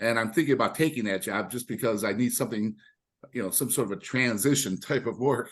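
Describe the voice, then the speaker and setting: A man with a Midwestern American accent speaks at a medium pitch with ordinary pitch variation. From Northeastern Ohio. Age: 60s. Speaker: audience member asking a question. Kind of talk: audience question. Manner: hesitant, many filler words.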